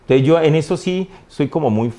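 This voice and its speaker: A man, a priest and invited guest, telling personal stories in an animated, conversational way, often laughing and acting out his mother's words. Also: fairly high pitch, brisk. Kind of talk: conversational storytelling.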